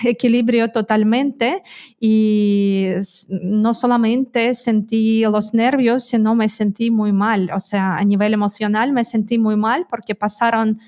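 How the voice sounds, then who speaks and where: A woman's voice: a little high, darkish tone, clear, resonant tone. A woman who speaks Spanish as a non-native language, being interviewed in a direct, earnest way with frequent hesitations. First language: not Spanish. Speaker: interview guest. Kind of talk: conversational interview.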